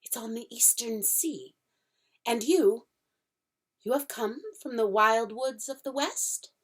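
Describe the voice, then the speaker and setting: A woman voicing a nervous, polite male fawn who stammers and drops into breathy whispers. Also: fairly high pitch, slow pace, pitched above the performer's own voice. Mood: wistful.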